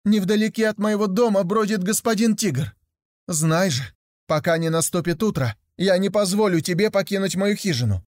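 Sly sugary auntie, high and slow and fake-sweet, man putting her on. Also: darkish tone, no room sound, studio quality, natural voice. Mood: falsely sweet. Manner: slow, honeyed and falsely kind. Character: cunning sweet-talking woman, an aunt.

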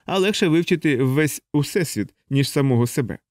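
Man doing a lecturing high-voiced alien helper. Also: lively intonation, fairly quick, darkish tone, no echo, clean studio sound, natural voice. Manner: didactic, explaining at length. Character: fussy alien male helper, lecturing and urgent. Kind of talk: audiobook character voice.

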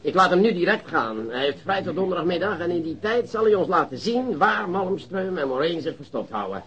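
A man's voice: high voice, very animated, fairly quick, fairly bright tone. A man acting a confident, insistent police detective in a Dutch radio drama, with a businesslike manner. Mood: brisk, determined. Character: brisk, confident male police detective questioning and plotting. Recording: dull, lo-fi radio drama recording.

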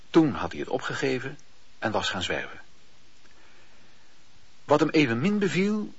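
A man narrating a historical radio drama in a measured, wry, literary storytelling manner. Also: medium pitch, slightly rough, dry recording. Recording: muffled lo-fi radio drama recording.

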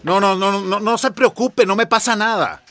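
An actor playing a weary, exasperated small-town mayor in a radio drama, pleading on the phone and then grumbling to himself. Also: male voice, high-pitched, moderate pace, a bit bright.

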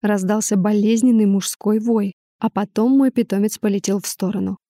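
A woman narrating a first-person audiobook in an even, measured way. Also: medium pitch, no echo, studio quality.

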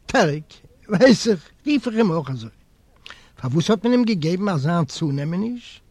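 A male audiobook reader voicing a fussy, pious old man who is easily startled and talks in quick exclamations and questions. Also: high-pitched, a little mellow, no room sound, heavily acted. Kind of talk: audiobook character voice.

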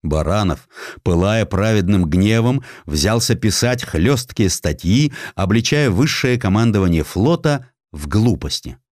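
A man reads historical prose in a low voice with very lively intonation. He tells it theatrically, as a scripted audiobook narrator, in a dry, close recording. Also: no echo. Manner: theatrical storytelling, acting out quotes.

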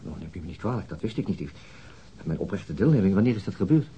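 An actor playing a weary, hesitant, middle-aged police detective in a naturalistic radio drama. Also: male voice, deep voice, expressive, fast talker, warm tone, highs cut off, slight background noise. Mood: subdued, apologetic. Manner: hesitant, understated. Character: weary, terse male police detective and father.

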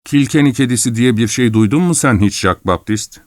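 A man's voice: mid-range voice, brisk, a little mellow, no echo, clean studio sound, pitched above the performer's own voice, natural voice. A man voicing a wiry, graying male adventurer who talks in a mocking, persuasive way in an audiobook. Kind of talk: audiobook character voice.

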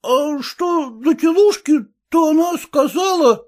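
A man's voice: very high-pitched, animated, takes it slowly, darkish tone, pitched above the performer's own voice, heavily acted. A man voicing a drowsy, hungover young peasant who drawls lazily and yawns between words. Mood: reading haltingly.

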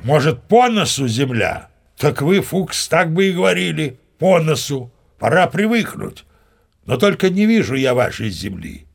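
An actor playing a pompous, easily irked sea captain who tells his yarn in a grandiloquent, expressive theatrical manner for an audio play. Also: a little high, a little slow, gravelly, husky, exaggerated voice.

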